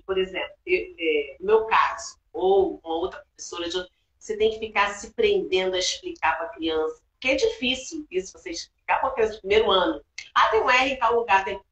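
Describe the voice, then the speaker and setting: A woman's voice: mid-range voice, a bit bright. A woman teacher from Rio de Janeiro with a Carioca accent, co-hosting a live video chat in a hesitant, conversational way. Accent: Carioca Portuguese. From Rio de Janeiro, Brazil. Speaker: teacher and co-host. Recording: roomy, dull sound.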